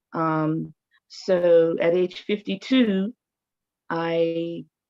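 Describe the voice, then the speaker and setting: A woman with a fairly low pitch. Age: 60s. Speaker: breast cancer survivor, retired medical office worker. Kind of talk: testimony.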